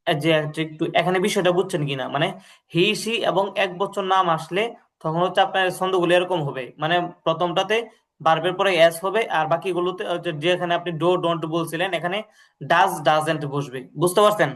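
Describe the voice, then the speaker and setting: A patient man teaching English grammar reads sentences slowly and then translates them, repeating drills and making sure the student understands. His voice sits high and fairly bright, holding a steady tone.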